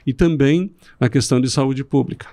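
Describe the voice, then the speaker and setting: A middle-aged man from southern Brazil, a city councilman guest on a podcast, speaking in a measured, speechifying way with some restarts. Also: medium pitch, dark tone, dry recording, studio quality. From Rio Grande do Sul, Brazil. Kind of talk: podcast interview.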